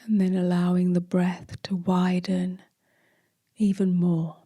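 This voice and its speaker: A woman guides a meditation in a soft, very breathy voice. Her delivery is gentle and hushed, staying on a narrow, even pitch. She moves very slowly, leaving long pauses between short phrases. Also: no room sound, studio quality. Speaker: meditation teacher.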